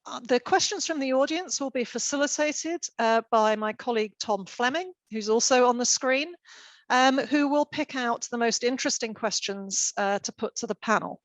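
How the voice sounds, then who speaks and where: A woman's voice: fairly high pitch, moderate pace, no echo. A woman chairing an online panel event, giving formal, orderly introductions over a video call.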